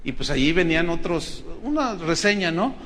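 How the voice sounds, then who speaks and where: A man's voice: fairly high pitch, very animated, moderate pace, crowd noise. A man with a Mexican Spanish accent preaching a sermon as pastor, telling stories and acting out quotes with emphasis. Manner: storytelling with acted quotes, emphatic.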